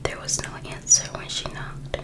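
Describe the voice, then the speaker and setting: A woman reading a book aloud for ASMR in a breathy, unvoiced whisper, pausing between short phrases. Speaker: ASMR creator.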